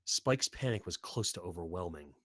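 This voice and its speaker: Male narrator for a dramatic audio story, fairly low voice, very dry close sound. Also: expressive, normal speed, bright, forceful tone, no echo.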